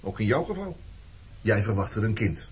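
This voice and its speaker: A man's voice: fairly low pitch, very animated, moderate pace, darkish tone, slightly rough, heavily acted. An actor playing a blunt, reproachful man questioning his former lover in a Dutch radio play. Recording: muffled, noisy old radio recording.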